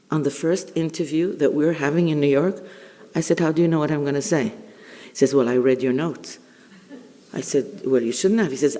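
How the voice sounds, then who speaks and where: A woman's voice: deep voice, a little mellow. Older Israeli woman storyteller in a reverberant hall. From Israel, born in Bulgaria. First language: Ladino. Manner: theatrical, wry, deliberate pauses. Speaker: public speaker, veteran journalist. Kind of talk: humorous personal storytelling to an audience.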